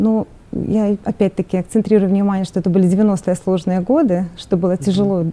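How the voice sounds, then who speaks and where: Over noticeable background noise, a woman talks fairly quickly at medium pitch. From Belarus, Pinsk. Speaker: pastor's wife. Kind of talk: testimony. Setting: studio.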